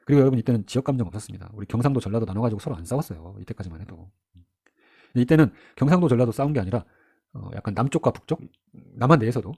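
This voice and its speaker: Middle-aged male lecturer, mellow husky tone, brisk conversational exam-prep delivery. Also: mid-range voice. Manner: chatty, asks the listener rhetorical questions, acts out quoted figures. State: sore throat. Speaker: history lecturer.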